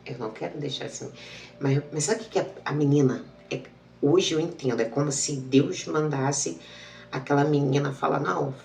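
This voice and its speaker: Gravelly woman telling a story. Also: low voice, reverberant, distant mic, slight background noise. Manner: emotional, repetitive retelling with quoted dialogue. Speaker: channel host. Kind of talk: personal storytelling.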